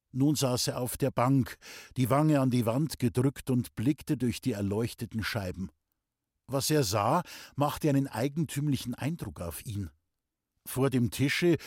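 A man reads a classic novel aloud, telling it in an even, measured way. His voice is husky, at a middle pitch. The recording is dry and close. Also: no echo. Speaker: audiobook reader. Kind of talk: scripted narration of a classic novel.

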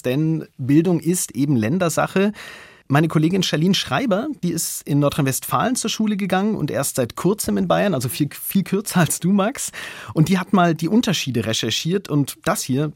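A man's voice: mid-range voice, husky, no room sound. A man hosting a radio talk show from a studio, introducing guests in an upbeat way. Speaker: host.

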